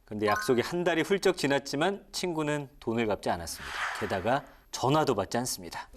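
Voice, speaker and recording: Measured narrator over music. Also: mid-range voice, expressive. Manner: measured, plain storytelling. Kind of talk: scripted narration.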